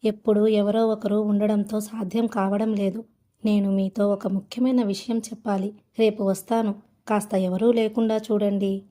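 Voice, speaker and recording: A woman's voice: mid-range voice, little pitch movement, moderate pace, warm tone, lightly acted. A woman voicing a terse, brooding young male doctor. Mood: earnest. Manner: terse, dismissive.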